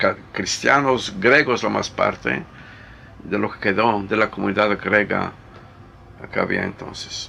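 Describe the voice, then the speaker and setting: A man talks at a fairly slow pace with long, frequent pauses over music in the background. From Izmir, Turkey. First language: French (speaking Spanish). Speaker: Ladino speaker interviewee. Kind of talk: interview.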